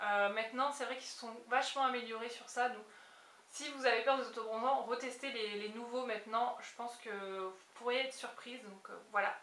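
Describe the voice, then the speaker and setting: A woman with a Picard accent talks at a moderate pace in a high voice, her loudness swinging widely. Audible room echo and noticeable background noise fill the recording. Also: fairly even intonation. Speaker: beauty vlogger. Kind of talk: haul video, casual product review. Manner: hesitant, many fillers.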